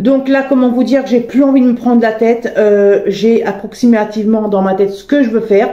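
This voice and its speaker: Speaking at a fairly quick pace with hardly any pauses, a woman keeps her intonation fairly even as room echo sounds around her. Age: 30s. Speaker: home vlogger. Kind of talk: casual vlog chat. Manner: hesitant, many filler euh.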